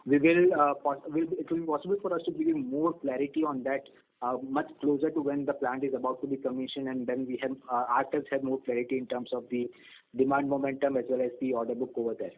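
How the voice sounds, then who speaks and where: A man with an Indian accent answering questions as a company executive on an earnings call, in a measured, hesitant, formal manner. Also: mid-range voice, gravelly. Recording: narrow tinny conference phone line.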